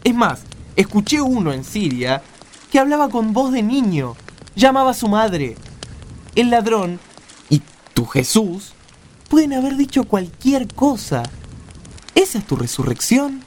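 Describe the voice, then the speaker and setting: A man's voice: high voice, big pitch swings, measured pace, a little mellow, a little hiss or hum. A man playing a skeptical, wry caravan leader in a radio play. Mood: incredulous. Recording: music under the voice.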